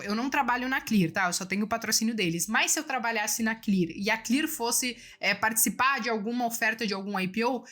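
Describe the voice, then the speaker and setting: Woman, 30s, from Brazil, bright voice, slightly high, chatty finance explainer. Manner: chatty, with tag questions like "né" and "tá". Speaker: finance YouTuber answering viewer questions. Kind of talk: casual explanatory talk.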